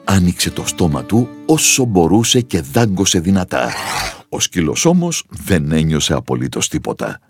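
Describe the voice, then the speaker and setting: Deep male narrator for a kids' storybook, animated and expressive. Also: over music.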